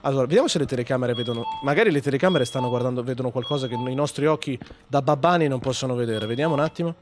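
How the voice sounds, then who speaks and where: A man giving joking, swearing commentary over a horror game, yelling when startled. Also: mid-range voice, very fast, over music. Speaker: gaming host. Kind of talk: horror let's play commentary.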